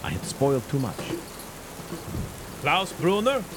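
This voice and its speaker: Older Swiss harbor pilot; Swiss German accent, groping for English words, dutiful, rain-soaked radio drama. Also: male voice, on the high side, huge pitch swings, background noise, heavily acted. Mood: reflective. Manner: halting English with German slips.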